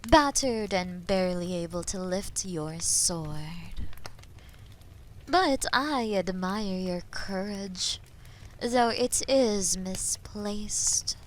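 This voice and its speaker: A woman voicing a haughty, menacing female dragon in a fantasy audio roleplay, taunting and condescending, with a breathy voice that often drops toward a whisper. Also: lowish voice, slight background noise, rough recording. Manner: taunting, condescending, theatrically slow and deliberate. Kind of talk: scripted fantasy audio roleplay addressed to the listener.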